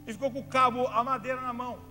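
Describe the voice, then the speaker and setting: A Brazilian man, a pastor, preaching a sermon, telling stories in a chatty way that builds to fervent shouting. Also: very high voice, steady tone, fast talker. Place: church hall. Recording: reverberant church hall, faint music behind.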